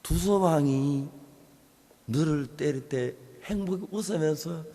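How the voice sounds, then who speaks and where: A male pastor preaching at a Bible seminar, telling stories and acting out conversations, swinging from loud outbursts to soft whispers. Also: a little high, slow.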